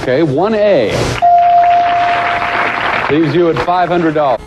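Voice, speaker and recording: A man's voice: on the high side, expressive, slow, loud music behind the voice. A man hosting a game show in a TV studio, chatty, with short asides between calls. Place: TV studio with audience. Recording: noisy old TV tape, loud studio audience.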